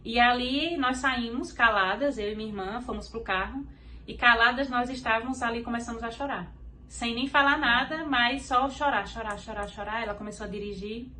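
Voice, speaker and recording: Brazilian woman, slightly high voice. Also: normal speed, sharp tone, slight background noise. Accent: Brazilian Portuguese. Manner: earnest storytelling that acts out what others said. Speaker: podcast guest. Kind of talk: personal faith testimony.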